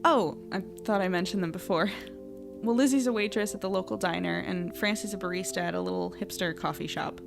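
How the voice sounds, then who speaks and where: A woman's voice: medium pitch, fairly quick, gravelly, over music, close to an everyday voice. An actress playing a guarded young woman in a naturalistic audio drama, hesitant and understated. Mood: hesitant, casual. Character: guarded young woman, new in town, independent.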